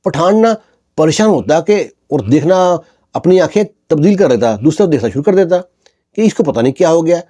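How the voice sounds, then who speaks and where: A man narrating a story casually, with loose colloquial phrasing and frequent fillers. His voice is fairly high for a man, but dark and mellow in tone. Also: expressive.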